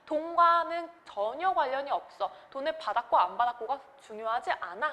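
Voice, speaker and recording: A woman speaks at a moderate pace in a high voice, with very wide pitch swings. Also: big swings in loudness. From provincial Korea (outside Seoul). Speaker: accounting instructor. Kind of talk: lecture.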